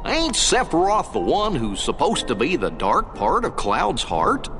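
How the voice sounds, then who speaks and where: Goofy, wildly swooping cartoon dog. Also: male voice, on the high side, huge pitch swings, measured pace, over music, heavily acted. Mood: puzzled. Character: goofy, simple good-natured male cartoon dog. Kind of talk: game fan dub acting.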